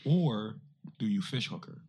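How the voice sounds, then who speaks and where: A man's voice: on the low side, animated, unhurried, warm tone, husky. A man co-hosting a podcast, teasing and sarcastic in casual chat. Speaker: podcast co-host.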